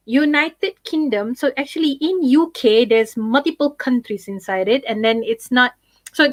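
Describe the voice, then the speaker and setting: A woman's voice: a little high, a bit bright, dry recording. A young Malaysian woman with a Malaysian English accent, tutoring a live online English class in a chatty way, dropping in Malay words and laughing often.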